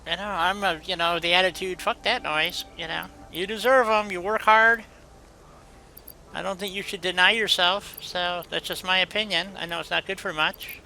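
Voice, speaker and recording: A man's voice: high voice, steady tone, moderate pace, gravelly, bright, forceful tone, a little hiss or hum, rough recording. A man chatting casually with a viewer while playing a game on stream, rambling in a folksy way and leaning on "you know.".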